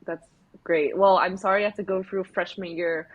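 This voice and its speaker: A woman's voice: lowish voice, steady tone, normal speed, phone-quality sound. Podcast host, female, casual and giggly, lots of ums. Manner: chatty and giggly, many fillers. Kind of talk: casual interview chat.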